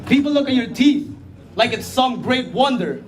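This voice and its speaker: A man from the Philippines performing battle rap, hurling rhymed insults and sometimes shouting them. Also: very high-pitched, lively intonation, moderate pace, a crowd in the background. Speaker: battle rapper. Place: live battle venue. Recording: echoey room, noisy live audio.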